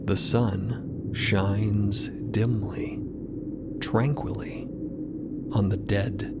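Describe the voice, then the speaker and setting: A man's voice: lowish voice, fairly even intonation, extremely slow, vocal fry, very noisy. A man narrating an audio fiction story in a dramatic storytelling style. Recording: loud music behind.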